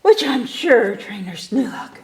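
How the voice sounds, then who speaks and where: Slow-paced woman reading a children's story. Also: a little high, very animated. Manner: theatrical rhyming delivery with stretched emphasis on key words. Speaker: story time reader. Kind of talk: expressive children's picture book read-aloud.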